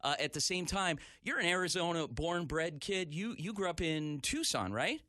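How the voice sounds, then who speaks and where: A man's voice: fairly high pitch, lively intonation, normal speed, pushed and bright, dry recording, clean studio sound. A middle-aged man hosting a sports radio talk show, chatty and enthusiastic, with a rambling way of talking.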